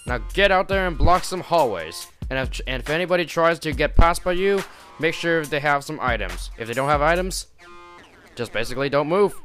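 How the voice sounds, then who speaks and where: A man voicing an excitable, bewildered school principal who rambles with many fillers and restarts. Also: fairly high pitch, fairly quick, faint music behind. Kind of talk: amateur animation voice acting.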